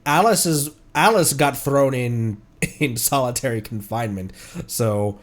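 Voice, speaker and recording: A man streaming a game, commenting casually and musing aloud in an unhurried, giggly manner. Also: mid-range voice.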